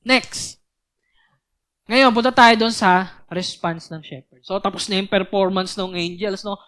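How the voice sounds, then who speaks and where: A woman's voice: medium pitch, fairly even intonation, unhurried, a bit bright. A young woman preaching at a church youth service, talking casually and often asking the listeners rhetorical questions. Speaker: youth speaker.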